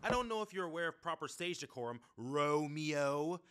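A man acting a self-important, indignant high school stagehand in a comedic audio drama. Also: expressive, moderate pace, a bit bright, clean tone. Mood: indignant, haggling. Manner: pompous, indignant. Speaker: actor.

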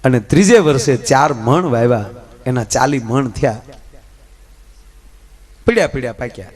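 A man telling folk stories and jokes to a live audience, swinging between loud telling and soft asides. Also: mid-range voice, moderate pace. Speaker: folk storyteller and comedian. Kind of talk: live folk storytelling on stage.

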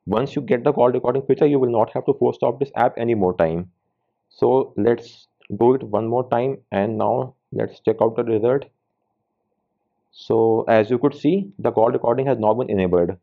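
A man narrating a step-by-step tech tutorial, instructing viewers directly as the host. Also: medium pitch. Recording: tinny phone-like band-limited sound.

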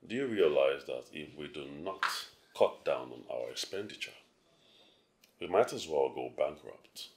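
A man's voice: a bass voice, a little slow, gravelly, exaggerated voice. An actor with a Nigerian accent playing a firm, affectionate middle-aged father in a naturalistic film drama. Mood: firm, reproving. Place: furnished house interior. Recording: echoey room, faint music.

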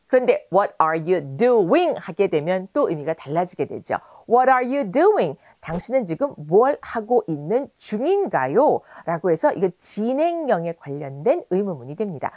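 A woman teaching English in a video lesson, saying example phrases slowly and clearly. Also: mid-range voice, darkish tone, dry recording.

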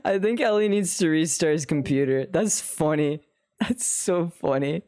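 A man's voice: on the high side, moderate pace, darkish tone. A young man streaming a game, chatting casually with a friend in a loose, joking, profane way. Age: teens. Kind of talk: casual gaming chat.

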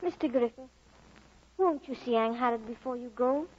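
A woman's voice: fairly high pitch, normal speed, a little mellow, slightly rough. A woman playing an earnest young child in a mid-century radio drama. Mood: polite, pleading. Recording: noisy, muffled old radio recording.

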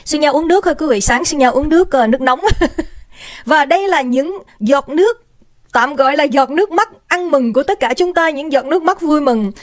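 Her high voice has lively intonation and a moderate pace as she hosts a casual livestream on a desk mic, recorded dry. Bubbly and talkative, she welcomes viewers by name and mixes in some English.

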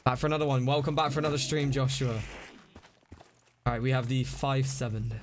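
A man's voice: medium pitch, a little fast, a little hiss or hum. A young man streaming a zombie shooter, chatting with viewers and losing his voice from the hype. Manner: excitable, chatty, greets chat by name. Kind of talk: live-stream gameplay chat.

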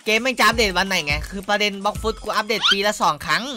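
A young man giving casual gameplay commentary, excitable and swearing freely while talking straight to his viewers. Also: high voice, very fast. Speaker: gaming YouTuber. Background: background game music.

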